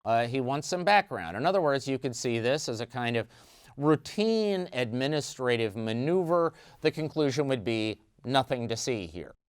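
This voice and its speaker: Smooth-voiced man giving church news analysis. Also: medium pitch, very animated, no echo, clean studio sound. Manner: measured, explanatory, frequent "uh" fillers. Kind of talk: news commentary.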